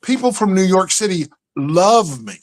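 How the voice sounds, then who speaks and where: A man's voice: high-pitched, sing-song, unhurried. A man from East Texas with a thick East Texas drawl, a boastful, joking guest in a casual chat on a video call.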